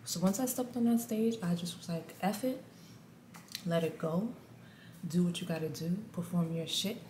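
A woman in her thirties speaks straight to the camera in a deep contralto voice. She talks candidly and with lots of animation, the way you chat with followers. The small room adds a noticeable echo and a faint hum underneath. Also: moderate pace. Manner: candid, animated, says guys a lot. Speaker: vlogger. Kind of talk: casual motivational talk to camera. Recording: echoey room, faint ambient noise.

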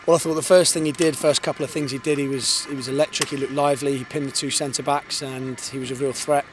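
A man in his thirties talks fast and earnestly into a handheld mic, his pitch held fairly flat as he restarts phrases with repeated words. Outdoor stadium noise sits clearly behind him on the night pitch. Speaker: football head coach. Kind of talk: post-match interview. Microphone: handheld reporter's mic held in front.

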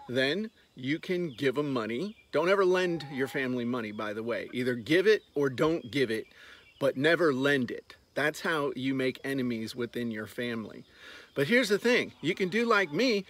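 A man's voice: a little high, a bit bright. A man in his fifties, a business coach, talking bluntly and sarcastically to a phone held at arm's length while walking outdoors on a farmyard. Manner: blunt, sarcastic, jokey outbursts. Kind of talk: casual talking-head vlog.

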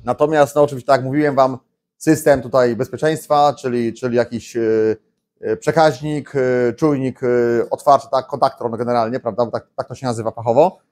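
A man's voice: medium pitch, fairly even intonation, brisk, a little mellow. A man in his thirties giving a casual DIY vlog walkthrough, chatty with lots of fillers and restarts, in a small garage workshop. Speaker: DIY vlogger. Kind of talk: casual how-to vlog talk.

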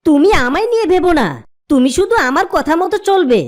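A woman's voice: very high voice, lively intonation, fairly quick. A woman voicing a clever, confident goat in a children's cartoon, with an emphatic, theatrical delivery. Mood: reassuring, confident. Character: clever, helpful goat who bluffs as jungle king.

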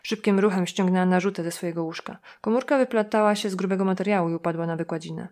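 A woman narrating an audiobook in an even, measured reading. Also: fairly low pitch. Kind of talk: scripted narration.

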